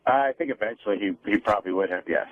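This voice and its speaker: A man's voice: fairly low pitch, fast talker. A man calling in to a radio show over the phone as a guest doctor, explaining things off the cuff. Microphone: phone line. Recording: thin, phone-like call audio.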